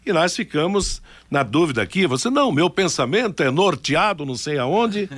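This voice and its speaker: A man hosts a sports radio show in a fairly high, very animated voice. He shifts between presenting the sports news and chatting casually, in a dry studio sound. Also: normal speed, dry recording. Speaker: sports radio programme host.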